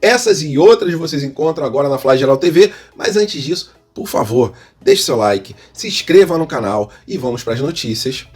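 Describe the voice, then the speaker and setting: A man with a Brazilian accent and husky voice, hosting informal football news as a partisan fan who addresses viewers directly. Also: on the high side, expressive, moderate pace, few pauses, a little mellow. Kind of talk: informal sports news commentary.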